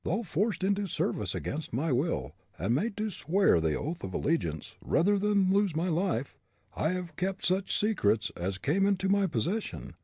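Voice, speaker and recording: Male reader doing a proud young prisoner, raised pitch, husky. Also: huge pitch swings, moderate pace, dark tone, no room sound, full character voice. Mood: defiant. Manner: proud, scornful.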